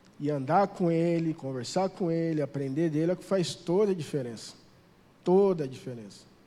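With a dark, mellow tone and a high pitch, a man speaks at a moderate pace with ordinary pitch variation. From interior of São Paulo, Brazil. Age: 40s. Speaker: church speaker giving testimony. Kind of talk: testimony and sermon in church. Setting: church.

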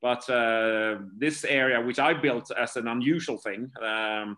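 Against a quiet background, a man with a Swedish accent speaks at a medium pitch in a bright, sharp tone. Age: 50s. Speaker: company leader, executive. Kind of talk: interview conversation. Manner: hesitant, filler-heavy.

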